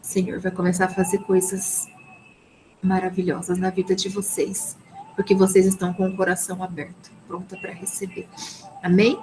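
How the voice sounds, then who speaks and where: Flat-voiced Brazilian woman teaching church class. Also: lowish voice, moderate pace, a little hiss or hum, rough recording. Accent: Brazilian Portuguese. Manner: peppers speech with "amen?" and "né?" tags; earnest, blessing-filled preaching tone. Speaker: women's ministry teacher. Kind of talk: live online Bible class.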